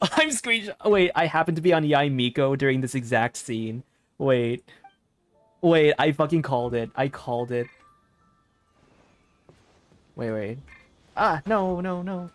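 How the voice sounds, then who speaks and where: A man live-streaming a video game with casual, slangy, excitable reaction commentary, often repeating his phrases. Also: fairly high pitch, normal speed, no echo. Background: game music.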